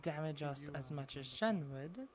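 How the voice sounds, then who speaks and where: A woman playing a cautious, conciliatory adventurer in improvised roleplay, measured and questioning. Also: low voice, animated, heavy background noise. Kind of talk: improvised virtual-reality roleplay.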